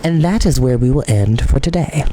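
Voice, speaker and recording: A man reading a story aloud as host, with expressive narration. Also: mid-range voice, moderate pace, slight background noise.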